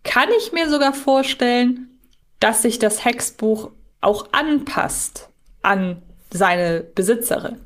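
A woman's voice: on the high side, takes it slowly. A woman co-hosting a fan podcast, explaining details analytically in a conversational way. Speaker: podcast co-host.

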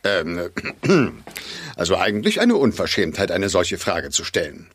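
A man's voice: low voice, huge pitch swings, unhurried, fairly bright tone, breathy edge, exaggerated voice. A man playing a grumpy, self-pitying, pompous father in a children's audio drama. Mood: flustered, pompous. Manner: pompous, theatrical.

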